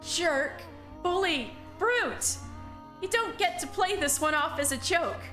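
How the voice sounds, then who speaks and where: A woman voicing a tearful young woman in a romance story read aloud, her voice high and quavering. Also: expressive, slow, pushed and bright, soft background music, full character voice. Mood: hurt, demanding. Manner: pleading and teasing. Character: emotional young woman, tearful then overjoyed lover.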